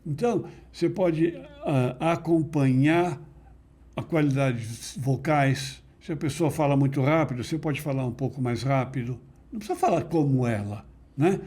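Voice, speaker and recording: A middle-aged man being interviewed, explaining ideas in a measured, didactic way with emphatic stresses. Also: medium pitch, a little mellow. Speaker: interview guest, NLP teacher. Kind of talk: conversational explanation.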